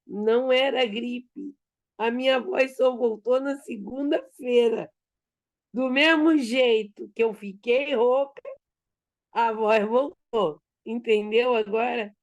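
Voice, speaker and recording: A woman in an online study group, calmly telling a personal story and retelling what others said, over a video call. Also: a little high, muffled recording. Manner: unhurried, conversational, retells dialogue. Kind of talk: casual storytelling in a group discussion.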